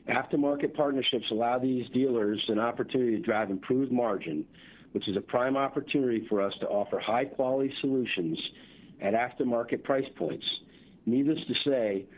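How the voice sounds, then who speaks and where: A man delivers a scripted corporate results presentation in a formal, measured way. His voice sits at a medium pitch, and the conference-call audio is slightly dull and lo-fi. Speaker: company executive presenting quarterly results.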